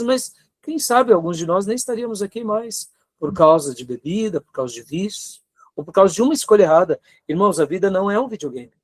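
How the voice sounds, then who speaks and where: A man with a Brazilian Portuguese accent giving an earnest seminary lecture, asking rhetorical questions and checking in with his students. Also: high-pitched. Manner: earnest, exhorting, asks rhetorical questions, frequent tag questions. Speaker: seminary teacher.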